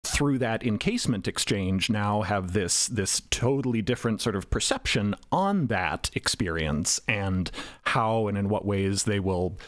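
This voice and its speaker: A man's voice: on the low side, measured pace, dry recording. A man on a podcast panel, telling stories with animation and acting out quoted thoughts in a casual roundtable discussion. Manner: animated storytelling, acts out quotes.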